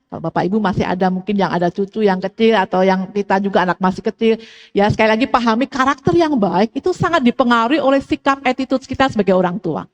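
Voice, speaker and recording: A middle-aged woman preaching a sermon, telling family stories with lively acted-out dialogue. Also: medium pitch, fast. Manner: animated storytelling, acts out family dialogue. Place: church hall. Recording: echoey church hall.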